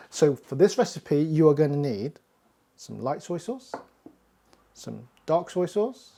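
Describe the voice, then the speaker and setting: A cooking show host from a Hakka Chinese family, his voice on the high side and mellow, leads a casual home cooking tutorial. He chats easily and jokes at his own expense while explaining each step.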